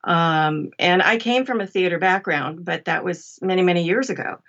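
A woman's voice: fairly low pitch, moderate pace, a bit bright. American woman on dull, lo-fi audio. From Berkshires, western Massachusetts, US. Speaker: podcast guest, audiobook narrator. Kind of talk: casual conversational storytelling.

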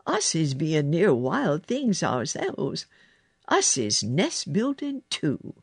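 A woman voicing a gentle, plain-spoken country boy in a storybook. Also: low-pitched, huge pitch swings, slow, slightly rough, no echo, clean studio sound, full character voice. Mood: tender. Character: gentle, earthy country lad who loves animals.

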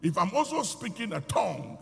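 A man's voice: high-pitched, sing-song, a little fast, vocal fry, in a large hall. A man preaching a sermon, telling stories with emphasis as he teaches.

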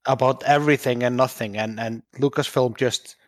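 A man co-hosting a casual podcast chat, talking in a relaxed but argumentative way. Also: mid-range voice, normal speed, no room sound.

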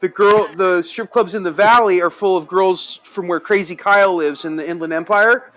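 A man from California with a high voice calls in and rambles through a profane casual chat. He laughs often and trails off mid-thought. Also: fairly even intonation, moderate pace, a bit bright, rough recording. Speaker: caller.

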